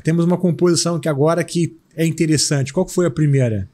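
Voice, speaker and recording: A man's voice: fairly high pitch, quick pace, dark tone. A man hosting a podcast interview, asking short curious questions. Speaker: podcast host.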